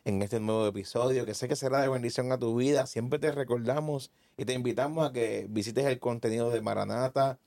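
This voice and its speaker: A man's voice: mid-range voice, dark tone, no echo. A man hosting a Christian testimony podcast, encouraging his guest and finishing his sentences. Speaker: podcast host and interviewer.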